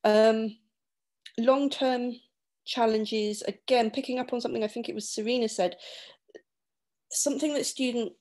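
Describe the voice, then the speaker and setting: A woman's voice: fairly high pitch, steady tone, moderate pace, pauses often, a little mellow. A woman lecturer giving a thoughtful, somewhat tentative talk on an online panel. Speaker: university lecturer and school manager. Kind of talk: panel presentation. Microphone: laptop webcam on a video call.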